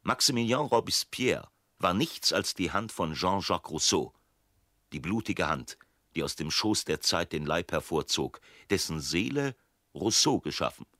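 An actor reciting as a grave writer, declaiming solemn warnings in a deliberate, emphatic radio-feature manner. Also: male voice, low-pitched, expressive, bright, forceful tone, dry recording, studio quality, exaggerated voice. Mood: grave, admonishing.

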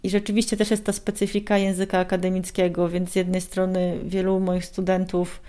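A woman from Poland, a university lecturer, answering interview questions thoughtfully with hesitant pauses. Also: on the low side, completely flat delivery, dark tone.

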